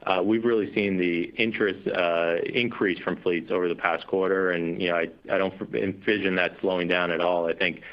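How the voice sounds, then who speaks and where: A man's voice: low voice, steady tone, moderate pace, few pauses. A man speaking as a company executive on an earnings call, explaining things in spontaneous business language with conversational tags. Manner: explanatory, frequent you know and right as tags. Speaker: company executive answering analyst questions. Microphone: conference call line. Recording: dull, lo-fi conference call audio.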